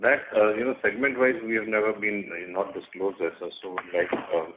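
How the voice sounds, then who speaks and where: A man's voice: lowish voice, flat delivery, brisk. A man speaking as a company executive, carefully and a little hesitantly answering financial questions on a call. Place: telephone conference call. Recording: narrowband phone line with faint noise.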